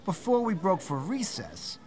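A man's voice: sits high, wildly swooping pitch, measured pace, mellow, full character voice. An actor playing a pompous, testy council chairman, officious and formal, in a 1940s-style radio drama. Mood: stern, accusing.

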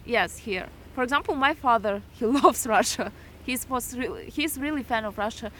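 A young woman from Kyrgyzstan answers questions casually, hesitating and laughing as she corrects herself. Her voice is fairly high. Faint street noise runs underneath. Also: expressive, moderate pace, fairly bright tone. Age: 20s. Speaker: interviewee.

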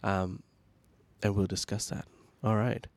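A male news host, his voice nasal and stuffed-up, pitched on the low side. He moves from fluent news reading to loose chat full of fillers, recorded dry and close. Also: level tone, measured pace, dry recording. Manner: fluent news read, then chatty with fillers and restarts. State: congested, nasal voice. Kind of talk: reading news, then casual sign-off chat.

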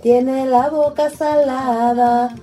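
A woman with a Chilean accent singing a slow folk song over music. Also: high voice, fairly even intonation, dark tone.

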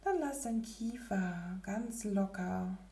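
A woman leading a guided relaxation meditation in a soft, breathy, near-whispered spa voice with gentle pauses. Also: mid-range voice, reverberant. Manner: slow, gentle, with long pauses.

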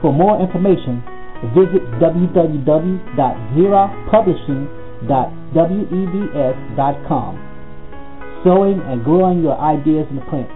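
A man reading a scripted advertisement in a steady, promotional manner. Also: a little high, unhurried. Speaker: advertisement announcer. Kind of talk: scripted ad read. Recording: tinny lo-fi line with music bed.

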